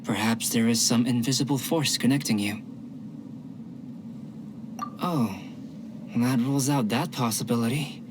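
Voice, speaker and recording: A man voicing a calm young male alchemist in a game, measured, clinical and politely detached. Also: medium pitch, noisy background, lightly acted. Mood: composed. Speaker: game character. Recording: game audio with music behind.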